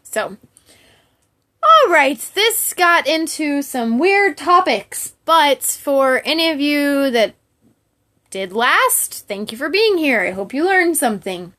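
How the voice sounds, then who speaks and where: A woman's voice: high-pitched, sing-song, slow, sharp tone. A woman chatting casually to viewers as a livestream host, candid and rambling in a giggly, informal way.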